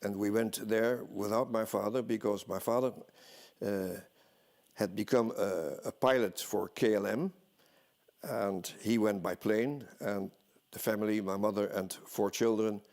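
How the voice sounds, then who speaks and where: Older man, gravelly, low voice, halting. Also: steady tone, darkish tone. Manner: halting with fillers. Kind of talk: interview recollection.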